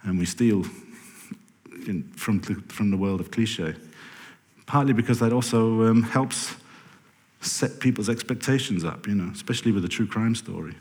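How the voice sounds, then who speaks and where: The podcast producer's conference talk comes at a moderate pace in a lowish, darkish voice, echoing around the lecture hall. Before the audience he rambles a bit, fixes his own slips, and adds wry remarks.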